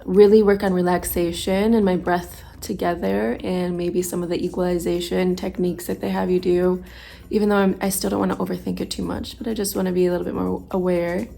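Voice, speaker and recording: A woman's voice: lowish voice, level tone, brisk, creaky, few pauses, warm tone. A woman vlogging candidly about her freediving course, sounding congested and thinking aloud as she reflects. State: congested, stuffy. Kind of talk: candid vlog to camera.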